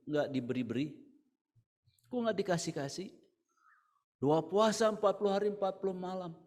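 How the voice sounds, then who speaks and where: A man preaching a church sermon with an Indonesian accent, piling up rhetorical questions and swinging from loud to hushed. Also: high voice. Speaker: pastor. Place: church hall. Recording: church service with hall reverb.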